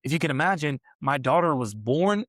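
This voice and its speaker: A man's voice: on the high side, lively intonation, brisk, fairly bright tone, no echo, studio quality. A man in his forties hosting a podcast, telling a long personal story in a rambling way and often tagging his sentences with "right?". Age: 40s. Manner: rambling storyteller, frequent "right?" tag questions. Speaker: podcast host. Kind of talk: casual interview conversation. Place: New York City, on a massage table.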